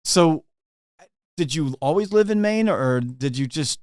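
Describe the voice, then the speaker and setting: A man's voice: fairly high pitch, lively intonation, measured pace, darkish tone, clean tone, no room sound, studio quality. A man hosting a sales podcast, interviewing a guest in an enthusiastic, conversational way. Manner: enthusiastic, conversational, some restarts. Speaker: podcast host.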